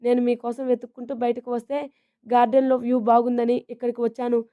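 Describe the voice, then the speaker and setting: A woman's voice: fairly high pitch, level tone, fast talker, smooth, phone-quality sound, lightly acted. A woman narrator voicing a timid, sweet young wife in a romantic storybook, fearful and pleading. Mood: scared.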